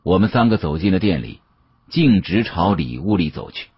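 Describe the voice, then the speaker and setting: A man with a husky voice narrating an audiobook story in a dramatic storytelling style. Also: deep voice, sing-song, normal speed, dull audio.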